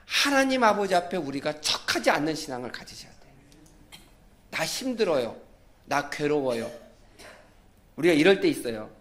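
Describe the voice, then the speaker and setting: A man with a high voice preaching a Sunday sermon. He tells his stories in a lively way and acts out the people in them. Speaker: pastor.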